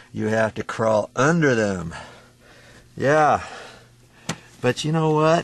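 With lively intonation and a fairly slow pace, the voice comes through dry with no echo over light background noise. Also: man. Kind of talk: tutorial. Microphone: phone near.

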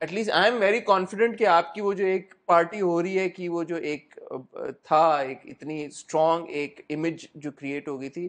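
Against a quiet background, a man speaks at a moderate pace in a high pitch with ordinary pitch variation. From Punjab, Pakistan. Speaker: interviewer. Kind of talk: interview. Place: studio. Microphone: lapel.

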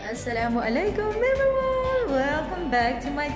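A woman's voice over clear music in the background. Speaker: vlogger. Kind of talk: casual vlog chat. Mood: cheerful, laughing. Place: home room. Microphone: phone near.

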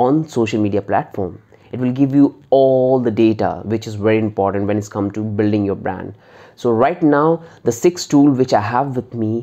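With a dark, mellow tone, a man speaks at a moderate pace with ordinary pitch variation over a quiet background. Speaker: social media tutorial creator. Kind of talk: tutorial. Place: home room. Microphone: lapel.

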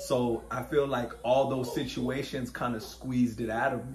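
Light background noise sits under this recording. A man speaks at a fairly slow pace. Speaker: interview guest. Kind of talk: interview answer. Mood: reflective, earnest. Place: home room. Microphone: lapel.

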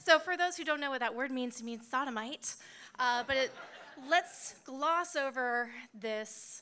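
Raised and projected, a woman's voice has a bright, sharp tone and ordinary pitch variation. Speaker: speaker. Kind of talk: humorous live lecture. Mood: playful, joking. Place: bar. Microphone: podium.

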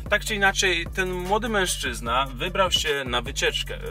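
A man speaks with a dry sound and no echo. Clear music plays in the background. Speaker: youtuber. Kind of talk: casual vlog storytelling. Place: car. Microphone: phone near.

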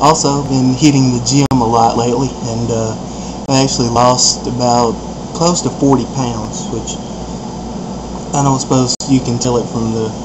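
Through loud background noise, a man speaks with long, frequent pauses. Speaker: vlogger. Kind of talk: casual vlog chat. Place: home room. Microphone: webcam.

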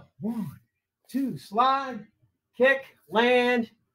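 The background stays quiet while a man talks. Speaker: martial arts instructor. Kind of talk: live online martial arts class, calling out drill counts and corrections. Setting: live-streamed video class. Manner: loud, rhythmic, commanding, shouting kiais and counts. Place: gym. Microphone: camera far.

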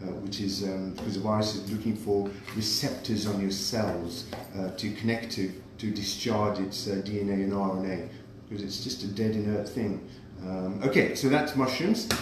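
Against noticeable background noise and audible room echo, a man speaks at a fairly low pitch. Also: fairly even intonation, moderate pace. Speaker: wellness coach. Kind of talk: tutorial. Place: kitchen. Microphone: camera far.

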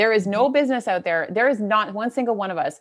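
A woman speaks at a moderate pace. She has a plain, everyday voice, fairly high in pitch. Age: 30s. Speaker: connection coach and podcast host. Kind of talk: casual interview chat.

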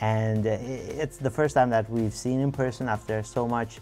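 A man at a moderate pace with fairly even intonation, over faint background music. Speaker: pen seller vlogger. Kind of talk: casual vlog chat. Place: home room.

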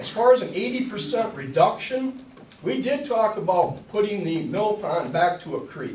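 A man with a high pitch speaks at a moderate pace, his voice making very wide pitch swings and big swings in loudness, with audible room echo and noticeable background noise. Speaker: village council member. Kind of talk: council meeting discussion. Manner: emotional, agitated.

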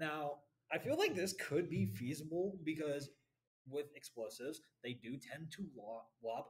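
A man speaks at a fairly slow pace with a somewhat breathy sound. Long, frequent pauses break up his speech. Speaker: student podcast co-host. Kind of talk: casual chat. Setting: livestream.

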